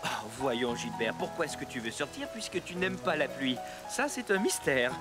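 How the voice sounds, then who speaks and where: A man playing a patient young dad in a children's cartoon. His friendly voice swings in pitch, with clear music underneath. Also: big pitch swings, moderate pace, lightly acted. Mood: amused. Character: friendly, patient young father of a small boy.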